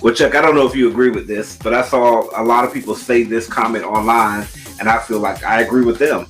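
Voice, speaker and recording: A man's voice: medium pitch, fairly even intonation, fairly quick, a bit bright, soft background music, poor audio. A man hosting a casual movie review chat, talking informally with a co-host.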